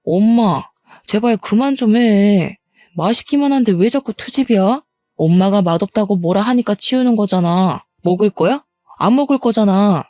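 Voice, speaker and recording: A soft-spoken young husband trying to keep the peace, as a female narrator acts him out. The voice is mellow and dry, with a gentle, placating manner. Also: medium pitch, animated, moderate pace, dry recording, soft background music, natural voice. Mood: pleading. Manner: soothing, pleading.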